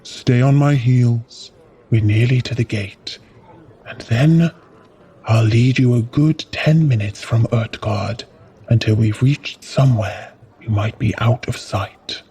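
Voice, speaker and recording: A slow, stern giant of the palace. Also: male voice, medium pitch, mellow, husky. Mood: brisk, commanding. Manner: formal, commanding, measured. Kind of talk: audio drama acting.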